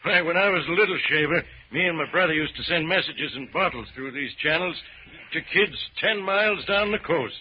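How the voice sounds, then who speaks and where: A man's voice: fairly high pitch, brisk, natural voice. A man acting as a friendly, folksy old sea captain with rustic speech in an old radio drama. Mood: friendly, helpful. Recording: muffled old radio recording, faint noise.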